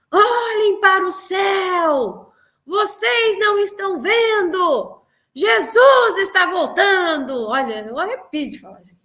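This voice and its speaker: High-voiced Brazilian woman giving earnest testimony. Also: bright, forceful tone. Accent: Brazilian Portuguese. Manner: earnest and emphatic, repeats phrases. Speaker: interviewee recounting spiritual experiences. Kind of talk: personal testimony in an interview.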